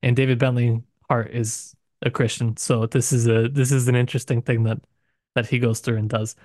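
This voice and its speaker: Low-key thoughtful man, dry close sound. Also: level tone, moderate pace, darkish tone, dry recording. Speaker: podcast co-host. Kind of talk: casual book discussion.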